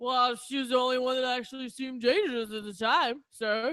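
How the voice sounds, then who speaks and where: A mumbled, put-on character voice, pitched fairly high and moving at a fairly quick pace. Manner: mumbling boxer impression.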